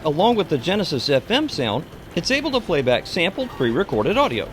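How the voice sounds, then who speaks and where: Male reviewer, middle-aged, very animated and enthusiastic scripted delivery, slightly high voice, over background music. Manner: enthusiastic presenter. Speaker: video game reviewer and presenter. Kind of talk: scripted video review narration.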